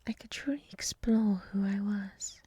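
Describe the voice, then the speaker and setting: Slow, breathy whispering gentle monster woman played by an actress. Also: mid-range voice, dry recording. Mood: soothing, reflective. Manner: slow, soothing, reflective, encouraging. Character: gentle, wise monster woman with many eyes, hotel resident. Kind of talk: whispered ASMR roleplay. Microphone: close mic, dry.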